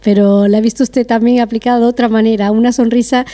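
A woman's voice: a little high, little pitch movement, fast talker, dark tone. A middle-aged woman hosting a TV interview, speaking in an effusive, complimentary way into a handheld mic. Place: decorated restaurant patio.

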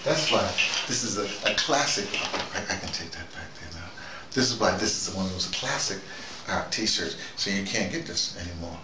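Far from the microphone in an echoey room, a middle-aged American man with a low voice delivers an animated, rambling monologue for his personal video dispatch. His speech is halting, full of repeated words and side tangents, and background noise is clearly audible.

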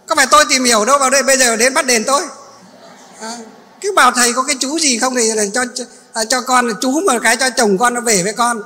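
A male Buddhist monk delivers a sermon in a high, bright voice. He poses questions to his listeners and then answers them himself. His voice carries a long reverb through a large hall. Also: a little hiss or hum.

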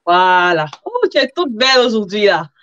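A woman's voice: medium pitch, sing-song, normal speed, a bit bright. Woman hosting a casual livestream, dull audio. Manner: informal, chuckles between phrases, addresses viewers directly. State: somewhat tired. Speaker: live interview host, sewing content creator. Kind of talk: casual livestream chat with viewers.

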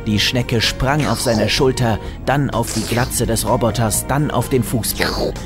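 A man's voice: medium pitch, a little slow, music in the background. A man narrating a scripted comic story in a wry, tongue-in-cheek manner.

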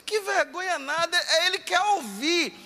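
A man, a priest, giving a lively, conversational sermon and voicing the people he quotes. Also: very high voice, a little slow, big-room sound.

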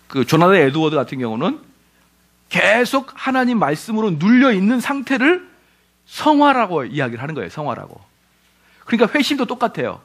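A middle-aged male pastor giving a lecture-style sermon, firing rhetorical questions at his listeners and acting out quoted voices. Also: high voice. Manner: animated, asks the audience rhetorical questions, acts out quoted voices.

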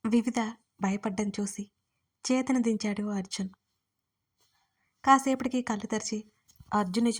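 Woman reading a love story out loud, expressive, medium pitch. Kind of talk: audio story narration.

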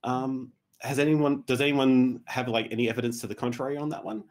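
A man's voice: medium pitch, fairly even intonation, fairly quick. A man speaking casually as a panelist on a video call. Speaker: panelist, podcast writer. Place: indoor room, remote video call.

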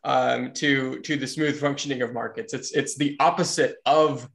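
A man's voice: medium pitch, steady tone, normal speed, gravelly, fairly bright tone. A man in a casual group discussion on a video call, building his argument with many stammered restarts. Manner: stammers with repeated words while building an argument. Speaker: meetup participant.

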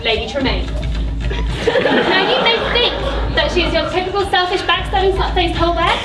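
Casting: actress as sweet, cheeky, put-upon girl for stage pantomime, high and projected in a reverberant theatre. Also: lively intonation, normal speed, recorded from a distance, a loud crowd. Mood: confiding, indignant. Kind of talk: amateur stage pantomime, addressing audience.

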